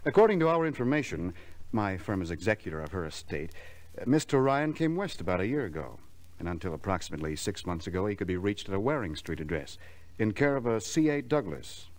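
An actor playing a polite, slightly fussy junior lawyer in an old-time radio drama, speaking hesitantly and precisely. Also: male voice, fairly low pitch, very animated, fast, a little mellow, low-quality recording. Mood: businesslike. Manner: courteous, hesitant, precise businesslike phrasing. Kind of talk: 1940s-50s radio drama acting.

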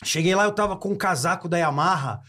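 A man's voice: high-pitched, fast. A man with a Brazilian accent telling casual stories on a podcast, swearing freely and acting out the people in them. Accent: Brazilian Portuguese. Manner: animated anecdotes, swearing, acts out voices. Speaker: podcast host and motorsport commentator. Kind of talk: casual storytelling chat.

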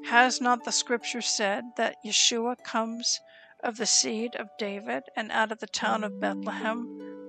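A woman giving a slow, solemn reading of scripture, with deliberate pauses between phrases. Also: a little high, vocal fry, poor audio. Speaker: scripture reader. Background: soft instrumental music.

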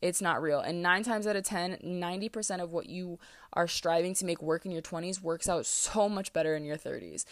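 Young woman, podcast host, rambling and candid, lowish voice, dry close sound. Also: fairly quick, no echo. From US East Coast. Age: 20s. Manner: candid, rambling, many fillers and restarts. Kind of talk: casual solo podcast monologue. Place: closet, small room.

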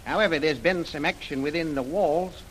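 An actor playing a dutiful army private reporting respectfully to officers in a 1930s radio drama. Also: male voice, fairly high pitch, normal speed, close to an everyday voice, rough recording. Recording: hissy old radio recording.

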